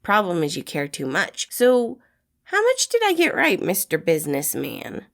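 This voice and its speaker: A woman voicing a brash, flirty, excitable man in a storybook reading, with casual, slangy, emphatic delivery. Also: lowish voice, moderate pace, vocal fry, heavily acted. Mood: teasing, confident. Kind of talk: acted storybook dialogue in fan fiction reading.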